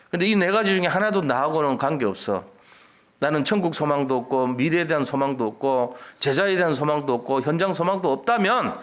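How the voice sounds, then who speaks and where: A man preaching a sermon as pastor, asking his congregation rhetorical questions and acting out the quoted lines. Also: a little high. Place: church sanctuary.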